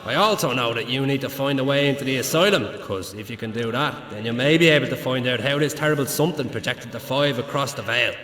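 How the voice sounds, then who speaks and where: A man's voice: medium pitch, fast talker, few pauses, fairly bright tone, close to an everyday voice. A man voicing an irreverent, sardonic guide of the underworld in a video game, teasing and theatrical. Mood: mocking, teasing. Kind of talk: video game character acting. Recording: echoey, long hall reverb.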